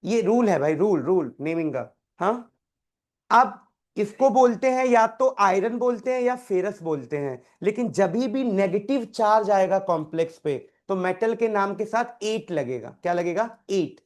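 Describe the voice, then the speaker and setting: A man's voice: high-pitched, expressive, unhurried. A man teaching a chemistry class, quizzing students by name and repeating key terms. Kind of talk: live classroom tutoring.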